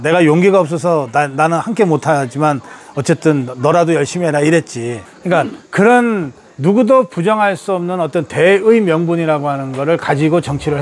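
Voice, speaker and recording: A man in his sixties with a high voice for a man speaks as a political commentator. He lectures emphatically, poses rhetorical questions and drops into colloquial, everyday asides. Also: expressive, a little fast.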